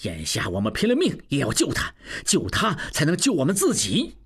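A man's voice: on the high side, huge pitch swings, moderate pace, breathy edge, exaggerated voice. A man voicing an agitated, scheming male merchant in an audiobook. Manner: agitated, pressing.

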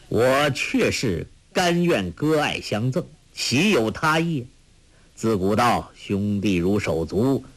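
A man voicing a gentle, grave old monk who speaks in a measured, soft way, in a storybook reading. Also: on the low side, full character voice. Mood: stern.

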